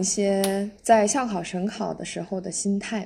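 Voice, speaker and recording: A woman's dark, mellow tone at a fairly slow pace. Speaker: broadcasting student. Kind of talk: casual chat.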